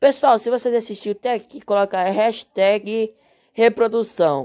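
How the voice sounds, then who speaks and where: A woman with a dark, mellow tone speaks at a medium pitch and a moderate pace. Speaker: bird-keeping YouTuber. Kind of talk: tutorial. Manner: casual, halting with fillers.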